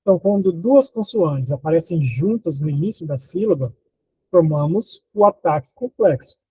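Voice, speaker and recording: A Brazilian Portuguese-speaking man teaching an online phonology lesson, slow and deliberate, counting syllables aloud and asking his students rhetorical questions. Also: fairly high pitch, animated, dark tone, slightly rough, low-quality recording. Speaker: university teacher.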